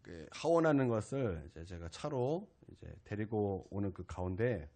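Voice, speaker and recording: A male pastor preaching a weekday sermon, telling a personal story in an animated way. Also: medium pitch. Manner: animated storytelling, acts out his own angry outburst. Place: small church service.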